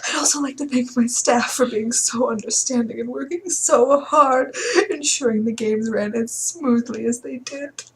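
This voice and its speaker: A woman's voice: a little high, fairly even intonation, normal speed, few pauses, lightly acted, rough recording. A woman voicing a gracious aging aristocratic man who hosts a grand ball, speaking formally in an acted game reading. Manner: formal, courtly speechmaking.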